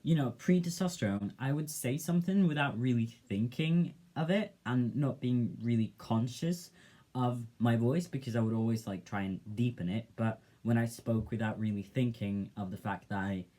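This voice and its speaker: Young man, soft and gentle, mid-pitched, reflective vlog delivery with hesitant fillers. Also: normal speed. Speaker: vlogger. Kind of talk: casual personal vlog.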